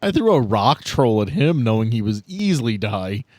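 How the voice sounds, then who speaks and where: A man's voice: medium pitch, sing-song, moderate pace, a little mellow, dry recording, studio quality. Dryly sardonic man running a game. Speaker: game master. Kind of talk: casual tabletop roleplay narration and banter.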